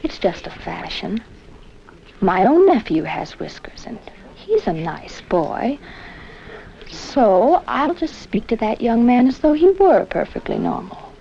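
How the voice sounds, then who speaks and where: A woman's voice: fairly high pitch, sing-song, slow, creaky, mellow, full character voice. An actress playing a prim, well-meaning matronly woman who speaks politely in a 1970s educational film. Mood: musing, reassuring herself. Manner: polite, self-correcting. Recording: muffled 1970s film soundtrack.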